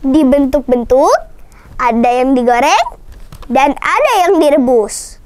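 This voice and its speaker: Little girl from telling a story, very high voice, dragging her words out slow, dry close sound. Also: animated, a little mellow, no room sound. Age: child. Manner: slow, sing-song, drawn-out delivery. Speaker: student storyteller. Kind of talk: storytelling with sung rhymes.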